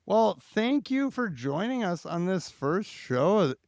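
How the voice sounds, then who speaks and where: A man's voice: high voice, very animated, slow, darkish tone, dry recording, clean studio sound. A man hosting a podcast interview in a casual, chatty way, thinking aloud as he goes. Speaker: podcast host.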